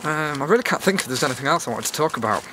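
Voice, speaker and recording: A man's voice: on the high side, animated, rapid-fire. A British man casually rambling through a chatty, meandering walk-and-talk vlog as its host. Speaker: YouTube vlogger and host. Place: outdoors on a cold evening walk. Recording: clear outdoor background noise.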